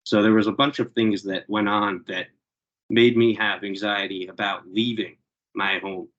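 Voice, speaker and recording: A man telling a personal story to an online meeting, reflective and a little halting. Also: fairly low pitch, flat delivery, a bit bright, muffled recording. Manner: reflective, with fillers and restarts. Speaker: meeting speaker. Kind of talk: personal story told to a group.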